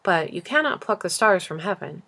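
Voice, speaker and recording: A woman voicing a serious, curious small boy in a storybook, asking simply and thoughtfully with gentle persistence. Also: fairly low pitch, expressive, moderate pace, heavily acted. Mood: earnest, questioning. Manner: earnest questioning, simple and thoughtful. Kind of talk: storybook character reading.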